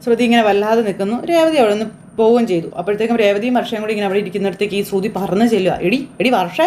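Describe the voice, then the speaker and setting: A woman casually retelling a TV serial episode in a brisk, conversational way. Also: mid-range voice, darkish tone, a little hiss or hum.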